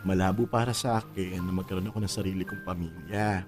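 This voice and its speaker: A man's voice: low voice, fairly even intonation, fast, a little mellow, lightly acted. A man playing an effeminate, emotional gay father in his fifties in a radio drama, with a Filipino accent and a campy, hesitant manner. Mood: hesitant, confessing. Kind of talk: conversational radio drama acting. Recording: music bed under the dialogue.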